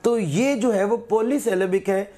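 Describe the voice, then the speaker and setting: A male teacher giving a recorded grammar lesson, patiently repeating words slowly as examples. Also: sits high, mellow.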